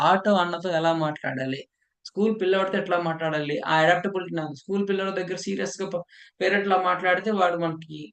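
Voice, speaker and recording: Fast-talking male trainer in an echoey room. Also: high voice, a bit bright. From India. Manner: checks in with listeners, frequent "okay"; walks listeners through a questionnaire item by item. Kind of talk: training lecture.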